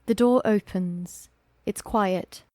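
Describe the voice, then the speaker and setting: A woman's voice: mid-range voice, takes it slowly, darkish tone, no echo, studio quality, natural voice. A woman acting as the narrator of an audio drama, reading stage directions in a plain, matter-of-fact way. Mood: neutral. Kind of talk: scripted narration.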